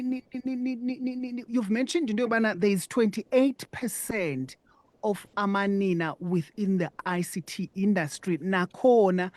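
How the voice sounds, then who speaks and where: A woman's voice: mid-range voice, darkish tone, no echo. A woman with a Xhosa South African accent hosting a radio interview, often repeating syllables as she restarts. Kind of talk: radio interview, mixing two languages.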